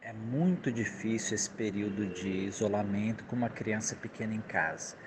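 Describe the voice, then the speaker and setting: A man with a Brazilian accent giving casual testimony as an interviewed father, halting and repeating himself for emphasis. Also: on the low side. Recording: clearly noisy background ambience.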